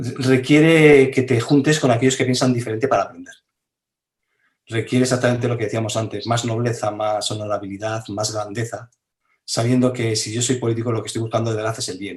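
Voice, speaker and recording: With a medium pitch and fairly even intonation, a man speaks in a somewhat breathy voice. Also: fairly quick pace. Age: 60s. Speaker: author and speaker on language. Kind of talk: interview conversation. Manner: halting, many fillers.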